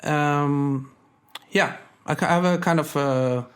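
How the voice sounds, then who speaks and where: Comedian guy in his 30s, kinda high voice, dry deadpan jokes, chill chat. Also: slow. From Germany. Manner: wry, joking deadpan delivery. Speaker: comedian guest. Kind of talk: casual conversation.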